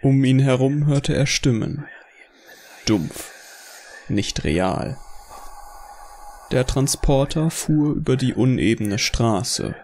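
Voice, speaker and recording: A man's voice: medium pitch, expressive, slow, pauses often, a little mellow. A man reading scripted narration for a horror audio drama as its narrator. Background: faint music.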